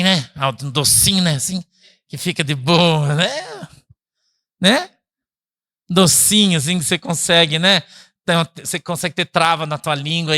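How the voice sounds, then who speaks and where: Man, pastor, bright forceful voice, chatty church sermon, jumps between loud peaks and low asides. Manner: chatty, asks the congregation "né?" and calls them "irmão"; swings from loud emphatic bursts to low quiet asides. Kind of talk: conversational sermon. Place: church service.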